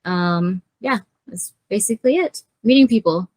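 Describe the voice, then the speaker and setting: A woman from Hawaii introducing herself in a casual panel chat, brief, shy and halting. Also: medium pitch, expressive, a little mellow, no echo. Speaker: guest panelist.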